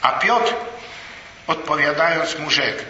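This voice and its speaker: A man preaching a sermon to a congregation, slow and emphatic, rising and falling for stress. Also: a little high, sharp tone, highs cut off, slight background noise. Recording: echoey hall, voice from far off.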